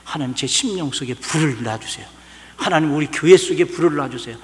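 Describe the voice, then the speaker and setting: Male pastor, lively sermon delivery, higher voice, reverberant church hall recording. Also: a little fast. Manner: animated preaching with sudden loud and soft swings.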